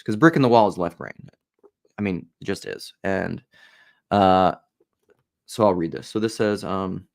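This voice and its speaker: A man's voice: lowish voice, gravelly. A man giving casual video commentary and reading aloud, rambling and jumping between ideas.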